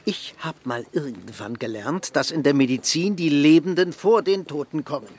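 A man's voice: fairly high pitch, moderate pace, a little mellow, slightly rough. An actor playing a firm, composed man who is curt and protective in a German radio crime drama. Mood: insistent. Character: firm, composed man steering his troubled friend.

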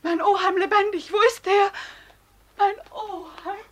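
A woman's voice: extremely high pitch, steady tone, unhurried. An actress playing a devoted, desperate young noblewoman in a classic radio play, speaking with anguished passion. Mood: frantic.

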